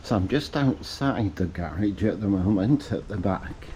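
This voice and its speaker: Middle-aged guy, low and unhurried, dry asides while he works in the garage; DIY vlogger. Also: lively intonation, noisy background. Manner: wry, chatty asides between tasks. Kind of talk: casual talk-to-camera while working. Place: garage and yard, partly outdoors.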